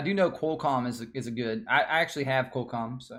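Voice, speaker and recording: A man with a Southern US accent, animated in tone, bright and sharp, with lively intonation. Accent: southern twang. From Tennessee, Nashville. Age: 30s. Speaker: stock streamer. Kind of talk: live stream chat. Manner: casual, animated.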